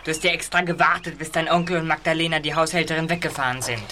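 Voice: medium pitch, level tone, quick pace, pushed and bright, lightly acted. An actor playing a sceptical, teasing teenage boy detective in a German audio drama. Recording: drama excerpt with clear background noise.

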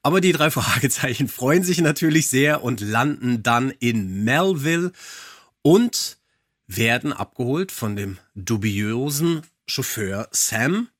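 Medium-pitched man, very dry sound. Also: lively intonation, slow, no echo. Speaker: podcast host. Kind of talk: casual chat and commentary.

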